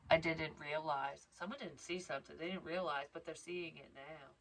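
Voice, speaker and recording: Low-voiced congested woman. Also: normal speed, poor audio. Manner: rambling, self-interrupting, swears casually. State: congested, stuffed up. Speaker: psychic tarot reader. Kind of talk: casual spoken reading.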